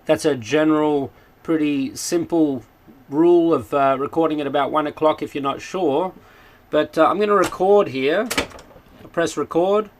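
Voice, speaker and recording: A man's voice: a little high, moderate pace. A man presenting a casual, hands-on tutorial, explaining things informally step by step. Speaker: presenter of an audio gear tutorial. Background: electronic music beat playing.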